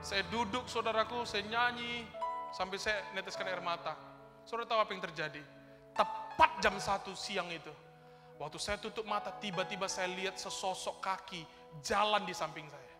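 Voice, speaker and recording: A man's voice: high-pitched, moderate pace. A male pastor preaching a sermon, telling a personal testimony in a fervent, conversational way and speaking straight to his congregation. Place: church hall. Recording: reverberant hall with faint music.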